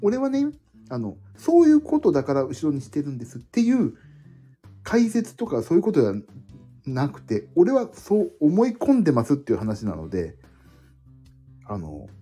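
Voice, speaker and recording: A man's voice: a little high, mellow, husky. A middle-aged man hosting a casual solo livestream, rambling and self-deprecating as he jumps between topics. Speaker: livestream host.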